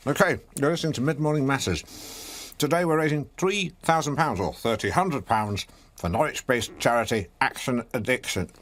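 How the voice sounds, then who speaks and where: A man's voice: mid-range voice, moderate pace, a bit bright, close to an everyday voice. A self-important, middle-aged local radio host, as an actor plays him. He rambles and stumbles into awkward remarks, pompous from start to finish. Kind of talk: local radio show hosting.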